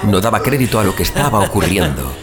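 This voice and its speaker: A very low, expressive male voice acted by a man tells a horror tale as a sadistic young vigilante. He savors his words with sardonic, dark glee and a literary turn, over clear background music. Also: fast. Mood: savoring, sardonic. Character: small, scrawny young immortal vigilante killer, sadistic, darkly gleeful. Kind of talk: scripted first-person horror audio drama narration.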